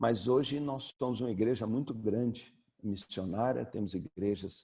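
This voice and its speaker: A man speaks with a fairly low pitch and ordinary pitch variation. His tone is dark and mellow. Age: 60s. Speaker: pastor. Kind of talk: lecture.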